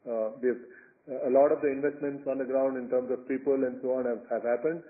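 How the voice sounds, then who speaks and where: A man's voice: mid-range voice, steady tone, a little fast. Indian-accented male executive on a tinny phone line. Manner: hesitant, repeats words while explaining. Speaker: company executive. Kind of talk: earnings call answers, unscripted. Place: conference call over phone line.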